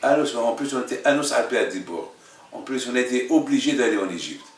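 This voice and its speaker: Halting, emphatic man teaching in an echoey room. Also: mid-range voice, expressive, a little hiss or hum. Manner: repeats phrases, halting, emphatic. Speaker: religious teacher, rabbi leading a class. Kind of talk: informal religious lesson with questions. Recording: echoey room, mic at a distance.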